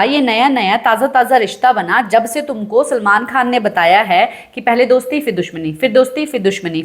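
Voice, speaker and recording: Woman, gossip commentator, chatty, animated, filler-heavy, slightly high voice. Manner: chatty, animated retelling with frequent filler phrases. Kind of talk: casual reality-show commentary.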